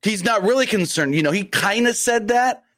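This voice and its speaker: A man in casual podcast chat who gets animated and acts out wrestlers' lines. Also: sits high, moderate pace, no echo, studio quality. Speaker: podcast co-host.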